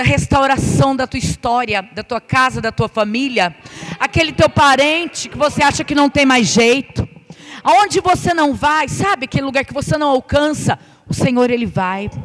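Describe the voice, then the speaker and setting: Noticeable background noise behind a woman's high-pitched voice, animated in tone, with lively intonation at a moderate pace. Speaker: preacher. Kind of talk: sermon.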